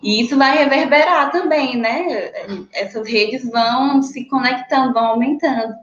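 A woman's voice: high-pitched, moderate pace. A young Brazilian woman speaking on a university panel from home over a video call, thoughtful and full of fillers and restarts. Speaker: panelist, graduate researcher. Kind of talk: academic panel talk, casual. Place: small room at home, indoors. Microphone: laptop webcam on video call. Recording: echoey room, dull lo-fi video call audio.

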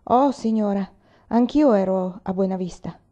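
A woman reading as a gruff army sergeant. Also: mid-range voice, a little slow, dark tone, highs cut off, close to an everyday voice. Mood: offhand. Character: gruff enemy army sergeant, man, greedy but easygoing.

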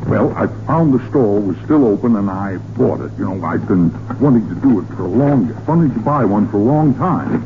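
A muffled, noisy 1940s radio recording carries an American suburban dad. He is middle-aged, flustered and easily exasperated. His pitch jumps around as he sputters and repeats himself. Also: animated, normal speed, hardly any pauses. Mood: pleased. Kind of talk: 1940s radio comedy acting.

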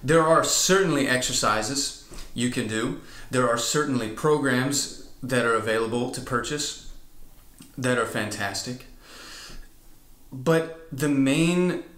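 A man's voice: mid-range voice, fairly bright tone. A male vocal coach explaining chest, mix and head voice, now and then demonstrating with sung whoops. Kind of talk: singing lesson with vocal demonstrations. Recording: roomy echo.

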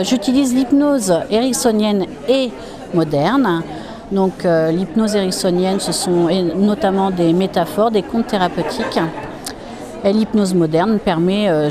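Woman explaining hypnosis at an expo stand, calm, mid pitch, loud chatter behind. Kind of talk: interview explanation. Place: busy exhibition hall. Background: crowd chatter.

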